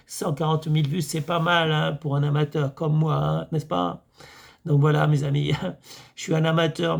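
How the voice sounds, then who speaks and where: A French-accented man talks casually to his camera, his voice hoarse and gravelly. He sits a bit high for a man and wanders through his points with fillers, restarts and asides. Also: a little mellow. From France. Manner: rambling, many fillers and restarts. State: hoarse, voice tiring. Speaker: YouTube vlogger reviewing films.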